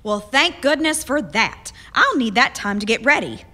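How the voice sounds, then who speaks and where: A woman's voice: on the high side, animated, normal speed, bright, forceful tone. An actress playing a spirited, persistent, hospitable frontier woman in a period radio drama, earnest, teasing and ready to argue. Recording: long hall-like reverb.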